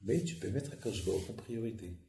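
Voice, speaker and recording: A man, a rabbi, preaching a sermon and telling stories with lively acted-out dialogue. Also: low voice, fast talker, gravelly. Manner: lively storytelling, acts out dialogue. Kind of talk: sermon with anecdotes. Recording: echoey hall with faint noise.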